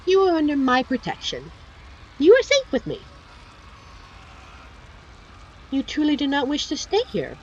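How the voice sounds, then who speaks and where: A woman's voice: sits high, muffled recording, exaggerated voice. A woman voicing a seductive, teasing female demon in a scripted ASMR roleplay, speaking with a coy, condescending, theatrical manner. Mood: soft, protective.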